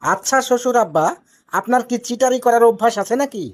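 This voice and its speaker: A man's voice: very high voice, lively intonation, a little fast, background noise. Man acting a cocky young village son-in-law. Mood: cheeky. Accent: Rajshahi Bangladeshi Bengali. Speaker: son-in-law in a comedy cartoon. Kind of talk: amateur cartoon comedy dialogue.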